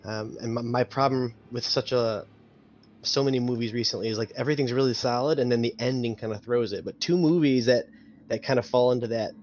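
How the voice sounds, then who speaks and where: Mid-pitched man on slightly noisy, dull audio. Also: brisk, darkish tone. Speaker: tabletop game player. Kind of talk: casual, reflective chat. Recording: dull lo-fi audio, faint noise.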